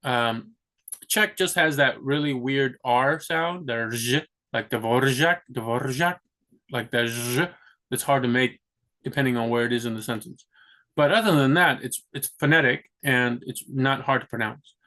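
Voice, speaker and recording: A man's voice: medium pitch, measured pace, bright, forceful tone. Rambling man talking about his plans. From United States. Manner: rambling, many restarts and "like" fillers. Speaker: vlogger. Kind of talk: casual talk to camera.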